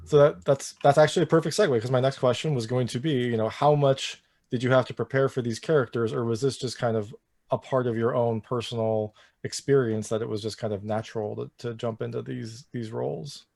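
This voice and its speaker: A man hosting a relaxed video interview, his questions loose and full of "you know." His voice sits at an ordinary pitch and sounds close and dry, with little room around it. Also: brisk, creaky, no echo. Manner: rambling, heavy use of "you know".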